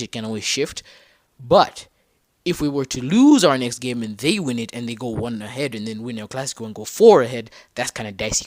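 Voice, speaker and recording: A young man from Zambia hosting a casual solo football podcast, talking in a slangy, animated way and correcting himself as he thinks aloud. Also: mid-range voice, no room sound. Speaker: podcast host.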